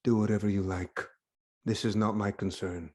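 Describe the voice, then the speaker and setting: A man's voice: lowish voice, flat delivery, moderate pace, darkish tone, natural voice. An actor playing a proud, commanding king in a Greek tragedy reading, speaking with stern, declamatory authority. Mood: defiant. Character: proud, commanding king defending suppliants of his city. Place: online video-call reading.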